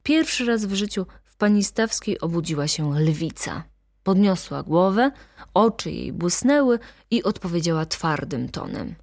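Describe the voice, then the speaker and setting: Female audiobook reader, measured and expressive, dry close mic. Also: on the low side, creaky, no room sound. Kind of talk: novel read aloud.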